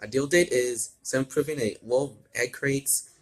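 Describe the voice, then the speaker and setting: A man voicing a brisk, bossy young female teammate in a fan fiction story, matter-of-fact in delivery. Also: mid-range voice, pitched above the performer's own voice, natural voice. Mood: brisk, decisive.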